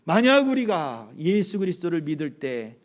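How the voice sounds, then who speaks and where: A man's voice: a little high, very animated, normal speed. A male pastor delivering a Sunday sermon at a church service, preaching with animation and asking the congregation questions. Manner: leads the congregation in reading aloud together.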